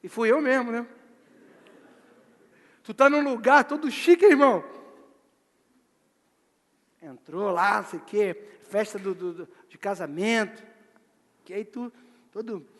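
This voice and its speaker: A man preaching a live church sermon in a lively, theatrical way, acting out little scenes. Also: sits high, unhurried, long pauses. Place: church service hall. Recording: long church hall reverb.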